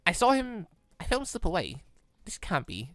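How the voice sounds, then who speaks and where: A gamer voicing a wistful, doubting visual novel character in a halting, emotional way. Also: medium pitch, wildly swooping pitch, a bit bright, no room sound. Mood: wistful, disbelieving.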